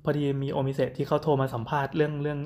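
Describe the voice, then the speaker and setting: Slow, rambling man chatting casually. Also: a little high, level tone, darkish tone. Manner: rambling, many fillers, mixes in English words; slow, halting storytelling. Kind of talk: casual chat.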